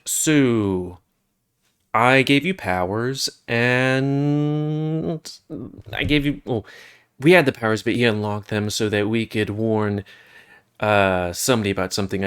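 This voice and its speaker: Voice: medium pitch, clean tone. A video host giving casual, rambling commentary over gameplay, often searching for words. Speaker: video host reviewing games.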